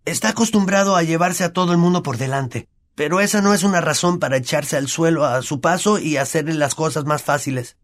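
A man's voice: fairly high pitch, fairly quick, voice pushed up, close to an everyday voice. A man voicing a blunt, grumpy schoolboy who grumbles his lines. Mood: grumbling.

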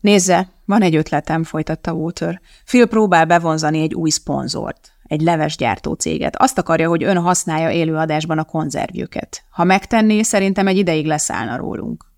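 An anxious, pleading male producer, voiced by an audiobook reader, fretting over every word. The voice has a gravelly grain. It is recorded close and dry. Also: medium pitch, hardly any pauses, no room sound, close to an everyday voice. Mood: worried. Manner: worried and pleading. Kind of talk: audiobook character voice.

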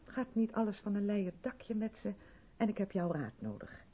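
An actress playing an effusive, self-absorbed white South African theatre director in a 1970s Dutch radio play, chatty and patronising in a theatrical way. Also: female voice, mid-range voice, expressive, moderate pace, slightly rough. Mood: chatty, purposeful. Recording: dull vintage radio recording.

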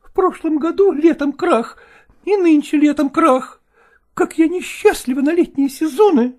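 A man voicing an excitable, complaining actress in an exclamatory, high-pitched manner. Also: a little slow. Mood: dismayed. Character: excitable middle-aged actress, complaining and dramatic. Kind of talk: audiobook character voice.

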